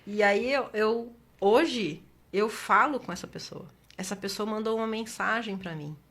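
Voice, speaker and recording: A middle-aged Brazilian woman with a Brazilian Portuguese accent, a guest chatting in an interview and telling stories with lively acted-out dialogue. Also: mid-range voice, measured pace. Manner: expressive storyteller, acts out quoted dialogue. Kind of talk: casual interview chat.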